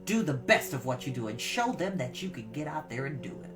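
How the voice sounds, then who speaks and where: A woman reading a story aloud with expressive, emphatic, dramatic delivery, as a storytime host. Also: very deep voice, brisk. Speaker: storytime reader. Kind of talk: expressive story narration with encouraging asides. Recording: slightly distant mic, music behind.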